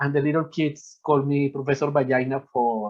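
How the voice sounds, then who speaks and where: At a fairly quick pace, a man talks with a Spanish accent. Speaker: artist and workshop teacher. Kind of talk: video call art talk. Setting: video call. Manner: hesitant, with repetitions and filler sounds.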